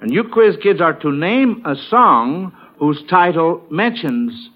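A man's voice: on the high side, expressive, slow pace, highs cut off. A man hosting a classic radio quiz show in an encouraging, chatty manner, on an old broadcast recording.

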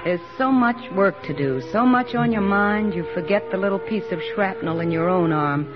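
An actress playing a steady, plain-spoken army nurse lieutenant who narrates and soothes wounded men in a 1940s radio drama. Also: female voice, mid-range voice, normal speed, lightly acted. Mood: strained. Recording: dull old radio broadcast with music.

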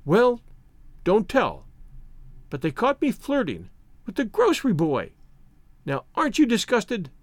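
A coquettish teenage schoolgirl, as a male reader plays her, high and swooping in pitch. She is arch, breathless and mocking, with a theatrical affectation in her storybook dialogue. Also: huge pitch swings, measured pace, long pauses, dry recording, heavily acted. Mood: confiding. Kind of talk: audiobook character dialogue.

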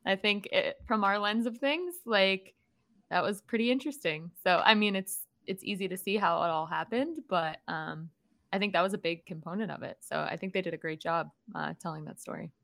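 A woman with a bright, sharp voice chatting on a sports talk show. She comes across loud and upbeat, with a casual flow full of fillers. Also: mid-range voice, a little fast, creaky. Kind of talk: casual chat.

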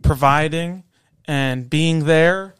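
A man with a smooth, slightly high voice chats on a podcast. He talks earnestly and repeats himself while coaxing his friends. The sound is dry and close. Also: slow, fairly bright tone, dry recording. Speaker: podcast co-host. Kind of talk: casual podcast banter.

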